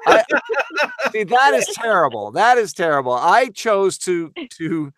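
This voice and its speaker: A man with a smooth, resonant voice at an average pitch chats on a podcast. He is expressive, sometimes halting and doubling back on words, and he sounds close and dry. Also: no room sound. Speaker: voice actor, podcast guest. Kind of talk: casual podcast discussion.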